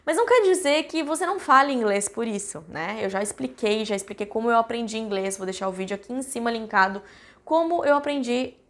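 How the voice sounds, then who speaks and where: A woman's voice: on the high side, animated, brisk. Chatty Brazilian woman vlogging. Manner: chatty, addresses viewers directly, many fillers. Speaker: cruise ship crew vlogger. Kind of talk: casual chat to viewers.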